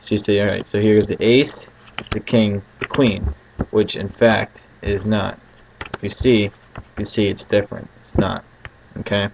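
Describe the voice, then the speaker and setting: A man's voice: lowish voice, creaky, a little mellow. A man giving casual card magician patter as he explains a trick step by step, often checking in with short tag questions. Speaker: card trick tutorial host. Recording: muffled lo-fi home recording with faint noise.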